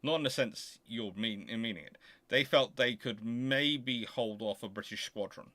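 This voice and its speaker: A man with a bright, forward voice of middling pitch answers listener questions in an informal explanatory style. He often halts and rewords himself mid-sentence. The sound is dry, with very little room in it. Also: no room sound. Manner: halting, self-correcting, explanatory. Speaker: host of a naval history Q&A show.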